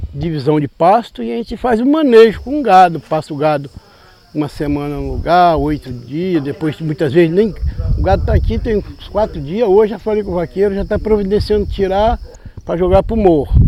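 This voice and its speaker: A high-pitched man with lively intonation, over noticeable background noise. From Espírito Santo, Brazil (Viana). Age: 60s. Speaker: cattle farmer. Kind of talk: interview.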